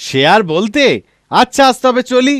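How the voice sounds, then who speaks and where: A man voicing a clever, self-assured village jester in a comic cartoon, persuasive and calmly scheming. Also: very high-pitched, moderate pace, no echo, studio quality. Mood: polite, persuasive. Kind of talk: dubbed comic cartoon dialogue.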